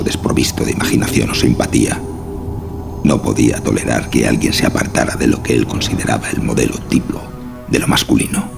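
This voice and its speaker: A man with an extremely low voice, thick with gravelly creak, narrates a horror tale. His delivery is measured and literary. Music plays clearly behind him. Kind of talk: scripted narration of a horror story. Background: clearly audible music.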